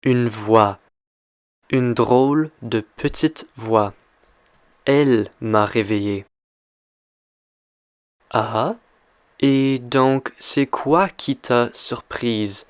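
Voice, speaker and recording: Male language teacher, extremely slow and deliberate, smooth resonant voice, dry close sound, drills questions. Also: medium pitch, no room sound. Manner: deliberate, repeats and quizzes the listener. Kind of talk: slow question-and-answer reading lesson.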